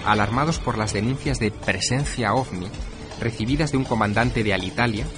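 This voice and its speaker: A man reading scripted documentary narration with measured, dramatic emphasis. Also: on the low side. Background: music.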